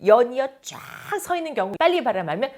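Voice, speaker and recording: Lady teaching english, patient, says phrases slow and repeats them, voice goes up and down a lot. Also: a little high, very animated, noisy background. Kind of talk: radio English lesson.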